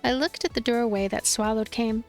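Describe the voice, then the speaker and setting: A woman's voice: a little high, fairly even intonation, normal speed, darkish tone, soft background music. A woman hosting a let's play, reading and narrating a visual novel.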